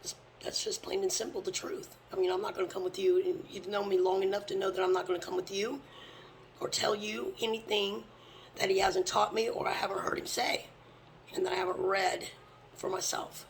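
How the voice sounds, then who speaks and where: A fervent religious teacher preaching from scripture, blunt and sometimes swearing, often dropping into a hushed whisper. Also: medium pitch, flat delivery, a little fast, creaky, slight background noise, poor audio.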